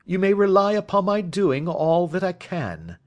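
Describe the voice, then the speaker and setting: A man voicing a wry, unhurried gentleman detective. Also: sits high, sing-song, voice pushed up. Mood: reassuring. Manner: dry, offhand.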